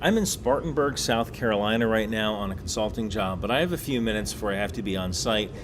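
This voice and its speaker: A man's voice: on the low side, fast talker, background noise. A man hosting a casual explainer monologue with wry asides and emphatic delivery, recorded on a laptop while away on a work trip. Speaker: YouTube explainer host.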